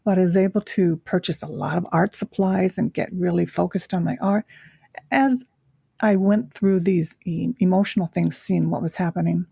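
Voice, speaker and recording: Older woman guest from Japan, husky low voice, unhurried and reflective with many pauses, dry sound. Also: warm tone, no room sound. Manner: reflective, with frequent pauses and fillers. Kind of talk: casual interview chat.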